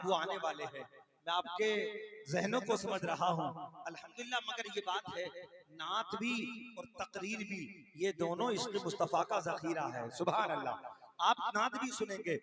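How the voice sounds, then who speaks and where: A man giving a fiery religious speech to a gathering from a stage, repeating phrases and building up to shouting. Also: sits high. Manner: rhetorical repetition, builds to shouting. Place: large stage tent at a gathering. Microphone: stage microphone. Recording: echoey, distant, crowd noise.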